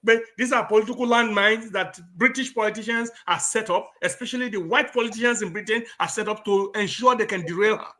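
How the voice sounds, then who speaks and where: Brisk and sharp, his high-pitched voice barely pauses. He's a Yoruba-accented Nigerian man appearing as a talk show guest, moving between Yoruba and English as he makes emphatic points in a political discussion.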